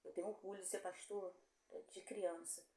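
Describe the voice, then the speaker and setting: A woman's voice: flat delivery, moderate pace, warm tone. A middle-aged Brazilian woman pastor, preaching a sermon and telling a story, acting out the voices of the people in it. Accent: Brazilian Portuguese. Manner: storytelling, acts out dialogue with rising pitch. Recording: echoey room.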